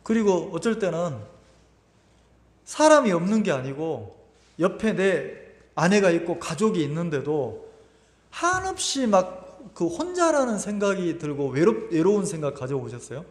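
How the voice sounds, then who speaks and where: A pastor giving a Sunday sermon in a lively, conversational way, asking the congregation rhetorical questions and repeating his words often. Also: high voice, normal speed. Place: church sanctuary. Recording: echoey church hall with long reverb.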